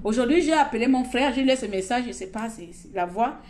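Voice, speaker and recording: A woman from Gabon talks straight into her phone during a live stream. She rambles and repeats herself, lecturing her viewers and then drifting into casual chat. Her voice sits a little high. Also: lively intonation, quick pace, darkish tone, slight background noise. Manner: talkative, scolding and repetitive, mixing sermon and chat.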